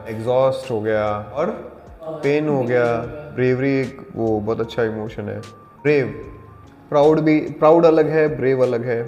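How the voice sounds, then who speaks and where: Calm man teaching an acting class. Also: medium pitch, muffled recording. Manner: calm, deliberate explaining, mixes in English terms. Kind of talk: spoken acting lesson. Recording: echoey hall with faint music.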